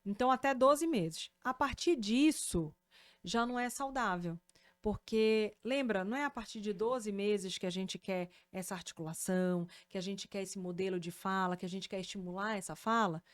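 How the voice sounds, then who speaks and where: A woman with a Brazilian Portuguese accent, a speech therapist hosting a podcast, explaining in a didactic, animated way and often checking in with her listener. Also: mid-range voice, normal speed, no echo.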